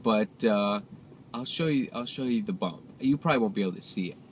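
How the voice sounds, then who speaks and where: A man's voice: lowish voice, animated, fairly quick. A young man with a nasal, congested voice from a cold, chatting casually and rambling while filming himself in his car. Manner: rambling, chatty, self-deprecating. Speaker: vlogger. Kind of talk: casual driving vlog. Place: inside a moving car. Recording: loud road and engine noise.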